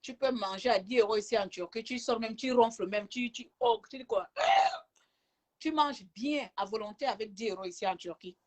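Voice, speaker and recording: A woman's voice: on the high side, normal speed, a little mellow. A woman vlogging in casual chat from a hotel room, talking in a chatty, teasing way and laughing often. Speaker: travel vlogger.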